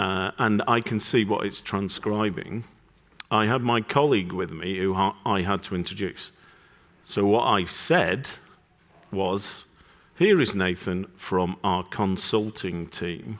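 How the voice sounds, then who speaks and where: The speaker has a Manchester accent. The pace is fairly slow. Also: man, fairly low pitch for a man. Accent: flat Manchester. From northern England, Manchester. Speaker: industry analyst moderator. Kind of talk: panel discussion. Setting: stage with audience.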